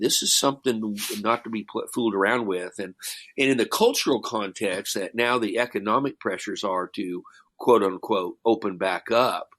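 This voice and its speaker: Captured with a dry, close sound with no echo, a plain, everyday voice speaks at a moderate pace with ordinary pitch variation. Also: man, medium pitch for a man. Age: 60s. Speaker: mental health nonprofit leader. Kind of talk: podcast interview.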